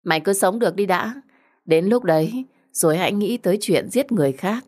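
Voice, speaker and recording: A woman's voice: on the low side, expressive, moderate pace, close to an everyday voice. A woman voicing a cruel, treacherous young woman in an audio story, with a mocking, condescending and sarcastic manner. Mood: sarcastic, taunting.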